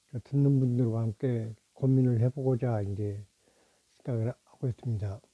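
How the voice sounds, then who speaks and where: This man has a dark, mellow tone at a medium pitch. His pitch varies in an ordinary way. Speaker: channel host. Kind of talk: casual monologue. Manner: halting, many fillers.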